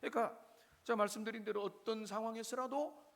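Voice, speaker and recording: Addressing the congregation directly, this pastor delivers his Sunday sermon in the church sanctuary and keeps asking them questions. He speaks fairly quickly in a high, gravelly, somewhat bright voice.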